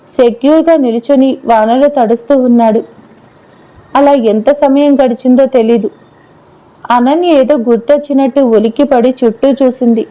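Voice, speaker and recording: A woman's voice: high-pitched, dark tone, low-quality recording. A woman narrating a serialized love story and reading every character's lines in her own voice. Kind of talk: scripted audio story narration.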